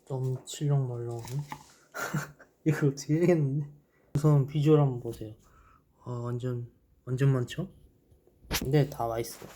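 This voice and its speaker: Korean guy doing a mukbang, really mellow dark voice, low-key mumbly chat at the table, bit of background noise. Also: fairly even intonation, normal speed, pauses often. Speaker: mukbang vlogger. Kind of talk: casual eating-show chat to viewers. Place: small indoor room at a dining table.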